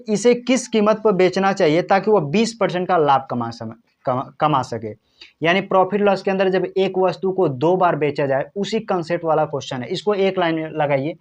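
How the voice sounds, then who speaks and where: A man teaching exam-prep maths, working through problems step by step and talking straight to his viewers. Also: sits high. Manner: step-by-step explaining, addresses viewers directly.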